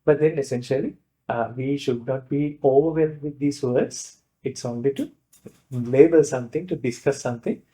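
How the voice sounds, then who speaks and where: A man with a Sri Lankan accent, a Buddhist monk giving an informal lecture in a hesitant, explanatory way, often pausing to rephrase. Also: mid-range voice, mellow, rough recording. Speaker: Buddhist monk teaching a class.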